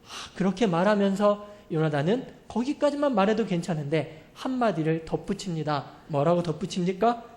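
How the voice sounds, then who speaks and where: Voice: medium pitch, brisk. A pastor preaching a sermon who retells a story vividly, asks the congregation questions, and acts out the characters' lines. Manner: animated, acts out quoted speech.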